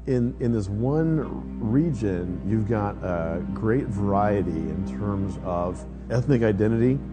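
A man narrating a short ministry documentary in a measured, explanatory way. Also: fairly low pitch. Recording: music bed under the voice.

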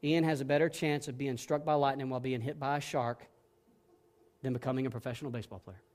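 A middle-aged male pastor preaching a sermon in an earnest way, swinging between hushed, gentle passages and emphatic ones. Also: mid-range voice, fairly even intonation, fast.

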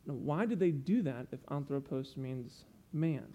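A man's voice: mid-range voice, lively intonation, unhurried, mellow. A young man preaching a sermon, earnest and explanatory, stopping to teach with asides.

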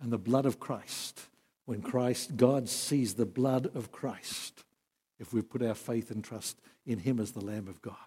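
A man preaching a sermon, earnest, swinging from emphatic peaks to soft, quiet passages. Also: medium pitch, unhurried, slightly rough. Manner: earnest, rising to emphatic then dropping soft. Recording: long hall reverb.

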